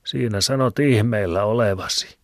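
A man's voice: lowish voice, no room sound, pitched above the performer's own voice, lightly acted. A man voicing a stubborn, grumbling old village shoemaker with a rambling, folksy way of talking, in a dry close recording. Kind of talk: audiobook reading. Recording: dry close studio sound.

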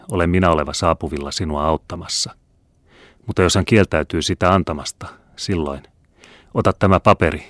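A man reading the part of a scheming male Jesuit priest in a low, murmuring voice. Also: dry recording, clean studio sound.

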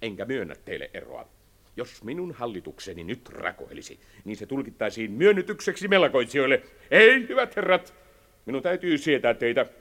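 A man's voice: mid-range voice, big pitch swings, a bit bright. An actor playing a domineering, cold male dictator president in a radio drama, speaking curtly and imperiously. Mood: stern. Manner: curt, imperious, cutting. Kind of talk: 1960s radio drama acting.

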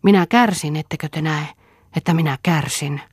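A woman's voice: deep voice, a little mellow, husky, dry recording, clean studio sound. A woman reading the part of an ill young mother in an audiobook, pleading and tender. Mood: anguished.

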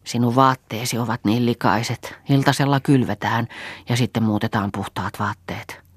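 An anxious farmwife , voiced by a woman reader, coaxes and soothes in a hushed, half-whispered voice. The reading is close and dry, with no room sound. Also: extremely low pitch, fairly even intonation, breathy edge, no room sound. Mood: coaxing worry. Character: anxious farmhouse woman, coaxing and fussing.

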